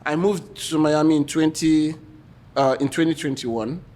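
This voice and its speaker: A man's voice: fairly high pitch, steady tone, moderate pace, a little mellow. A man with a Nigerian accent, a podcast guest telling stories in casual chat, laughing often and repeating words as he starts.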